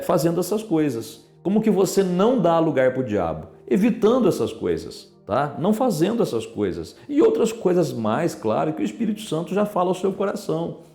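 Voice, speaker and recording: A man's voice: medium pitch, darkish tone, reverberant. A male pastor with a Brazilian Portuguese accent, preaching a sermon, full of rhetorical questions and tag questions.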